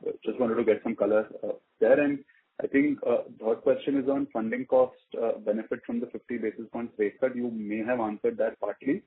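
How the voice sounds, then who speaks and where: A man's voice: lowish voice, breathy edge. A man politely putting questions as a financial analyst on an earnings call, in hesitant phrases. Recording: tinny, radio-like phone line.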